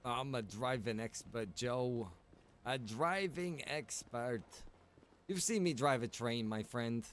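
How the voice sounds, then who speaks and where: A man's voice: medium pitch, takes it slowly, a bit bright, a little hiss or hum. A man streaming a game, chatting casually with viewers and thinking aloud in a rambling way. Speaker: game streamer and server operator. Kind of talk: casual livestream chat while gaming.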